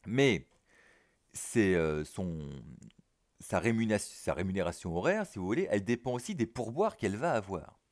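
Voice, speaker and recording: Low-voiced, lively teacher explaining casually. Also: male voice, moderate pace. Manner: casual, chatty explaining with many fillers and asides. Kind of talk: recorded economics lesson over slides.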